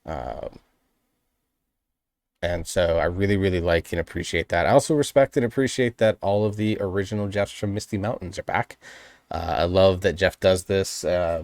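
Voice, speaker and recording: Deep-voiced man reacting to music. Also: darkish tone, dry recording. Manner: earnest, appreciative, talks through details. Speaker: music reaction video host. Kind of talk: casual spoken music analysis.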